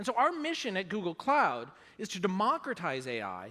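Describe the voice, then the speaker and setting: The voice belongs to a man. Its tone is bright and sharp. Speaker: tech company speaker at developer conference. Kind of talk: conference talk. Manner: fast.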